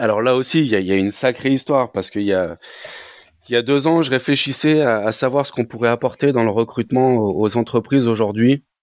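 This man talks at a fairly quick pace with a medium pitch and ordinary pitch variation. His loudness stays very even. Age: 40s. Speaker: entrepreneur, former recruiter and manager. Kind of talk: interview. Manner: animated.

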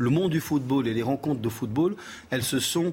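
A man with an unremarkable speaking voice talks at a fairly quick pace, his medium pitch showing ordinary pitch variation. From Brazil, then France from age 10. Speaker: politician. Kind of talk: TV panel debate.

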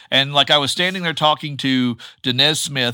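Talking at a fairly quick pace, a man with an Appalachian accent has a bright, sharp tone. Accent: Southern Appalachian US. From US South, Appalachia. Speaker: podcast host and voice actor. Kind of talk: casual interview.

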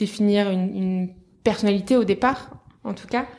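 A woman at a moderate pace, medium in pitch, with fairly even intonation. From southern France. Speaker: product designer. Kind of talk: interview conversation. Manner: halting, many fillers and repetitions.

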